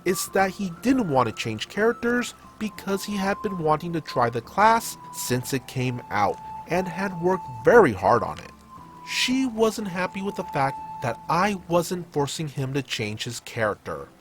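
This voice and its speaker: A man's voice: sits high, very animated, a little slow, fairly bright tone, soft background music. A man hosting a story-reading show, narrating scripted gaming tales in a theatrical, emphatic storytelling manner. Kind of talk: dramatic scripted narration of online tabletop gaming stories.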